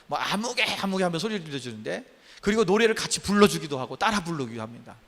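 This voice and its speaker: A man's voice: on the high side, very animated, fast talker, long reverb tail. A man in his fifties, a pastor preaching a sermon in a church, emphatic and full of questions to the congregation. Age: 50s. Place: church sanctuary.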